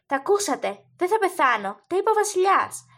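A woman's voice: sits high, expressive, a bit bright. A woman voicing a frightened poor boy mistaken for a prince, speaking in a timid, pleading, raised voice. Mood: relieved, eager.

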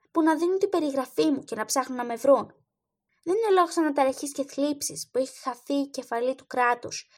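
An imperious young king from a storybook, high-voiced and commanding, read by a woman narrator. His haughty manner lifts the tone, asking pointed questions and giving orders. The delivery stays close to a reader's natural high voice. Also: natural voice.

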